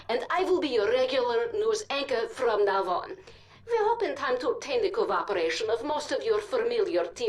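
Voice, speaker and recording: An actress playing a formal, pompous Soviet propaganda news anchor in a video game. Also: female voice, on the high side, recorded from a distance, close to an everyday voice. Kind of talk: scripted TV news broadcast.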